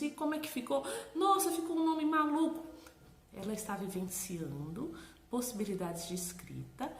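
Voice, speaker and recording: A literacy teacher with a Brazilian Portuguese accent gives parents encouraging, instructional advice, staying animated and checking in with "tá bom?". Her voice is mid-range and the sound is reverberant.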